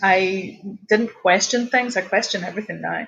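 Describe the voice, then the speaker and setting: Music sits in the background as a woman speaks at a medium pitch and fairly slow pace with fairly even intonation. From Australia. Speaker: vegan advocate. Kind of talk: interview answer.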